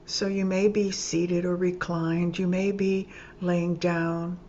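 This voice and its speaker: Woman doing guided yoga nidra, really slow n calm, kinda low voice, muffled recording w noise behind her. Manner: calm, slow, gentle, pausing between short phrases. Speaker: yoga nidra meditation teacher. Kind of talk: guided meditation. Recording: dull lo-fi sound with clear background noise.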